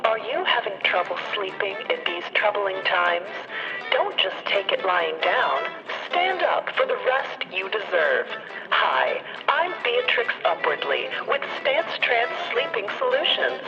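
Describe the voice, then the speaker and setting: A woman's voice: mid-range voice, very animated, measured pace, gravelly. A polished, chirpy radio presenter in an audio drama. Her intonation swoops animatedly as she delivers effusive, presentational lines. The sound is narrow like an old broadcast, with music behind. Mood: salesy. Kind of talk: radio advert and live broadcast hosting. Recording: band-limited radio broadcast over music.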